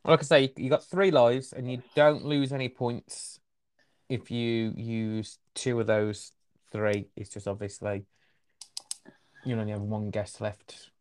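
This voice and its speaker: A man with a Black Country accent running a casual football quiz, talking in a chatty, rambling way with quick asides. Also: medium pitch, fairly even intonation. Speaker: quiz host.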